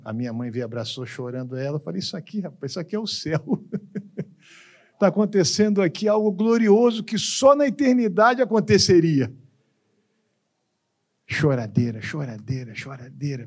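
A man with a Brazilian accent preaching a sermon as pastor, telling a story dramatically and swinging from hushed lines to loud ones. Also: medium pitch. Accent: Brazilian Portuguese. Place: church.

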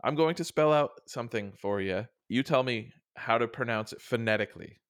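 A man's voice: mid-range voice, brisk, fairly bright tone, no room sound, clean studio sound. A man from Massachusetts co-hosting a podcast, bantering and chuckling in casual chat. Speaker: podcast co-host.

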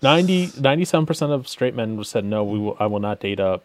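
A man's voice: lowish voice, animated, fast, no room sound. Sarcastic man with a dry close sound. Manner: sarcastic, reads headlines and stats aloud with many fillers. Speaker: podcast co-host. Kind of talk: casual political commentary chat.

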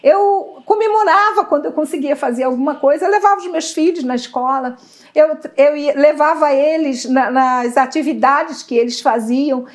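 High-voiced woman giving a faith testimony. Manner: earnest, halting, searching for words. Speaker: guest sharing testimony.

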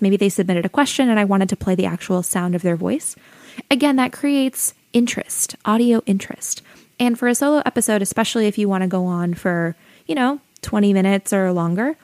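A young adult woman with a soothing voice, hosting her own podcast and calmly giving friendly advice like a teacher. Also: medium pitch, dry recording. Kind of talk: solo educational podcast talk.

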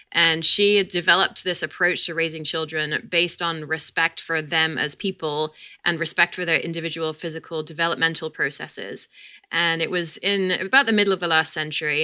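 Low-voiced woman hosting a podcast. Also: pushed and bright. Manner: explanatory, laughs lightly while talking. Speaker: podcast host. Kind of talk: conversational interview.

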